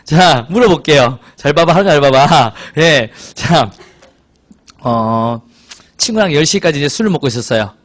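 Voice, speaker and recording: Male lecturer, high, very animated delivery, classroom banter. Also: unhurried. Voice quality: hoarse from excitement. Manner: lively, teasing students, acts out scenes in quoted voices. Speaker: civil service exam social studies lecturer. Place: lecture room with students.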